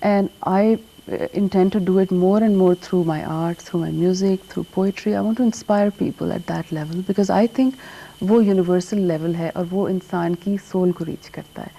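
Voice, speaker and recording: A woman's voice: fairly low pitch, creaky, dark tone, poor audio. A woman from Pakistan, a native Urdu speaker, answering interview questions on television and mixing English with Urdu. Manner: switches between English and Urdu mid-sentence. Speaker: guest artist.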